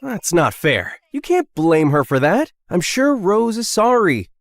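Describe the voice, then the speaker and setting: A woman voicing Matthew, a gentle young man who calms the others down. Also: high-pitched, unhurried, heavily acted. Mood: pleading. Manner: soothing, pleading.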